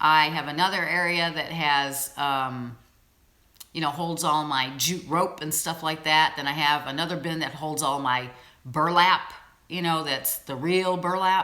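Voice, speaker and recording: A woman's very deep, low pitch at a fairly slow pace, with audible room echo. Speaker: craft YouTuber. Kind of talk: casual chat. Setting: livestream. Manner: loud; animated.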